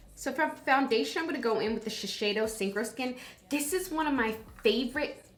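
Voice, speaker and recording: In a room with audible echo, a woman talks at a fairly quick pace, her high pitch carrying lively intonation. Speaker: beauty vlogger. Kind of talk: casual chat. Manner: loud; animated.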